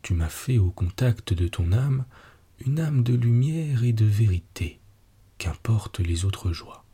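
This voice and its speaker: A man voicing a tender, forgiving woman in whispered role-play, soft and breathy. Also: fairly low pitch, lively intonation, unhurried, full character voice.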